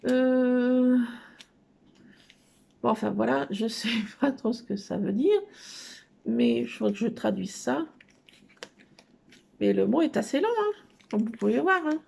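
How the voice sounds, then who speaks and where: A woman's voice: fairly high pitch, animated, slow, creaky, pauses often, darkish tone. A middle-aged woman casually chatting at home as she shows off her craft haul, hesitant, with many fillers. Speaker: craft vlogger showing a haul. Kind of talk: casual show-and-tell chat. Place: at home indoors.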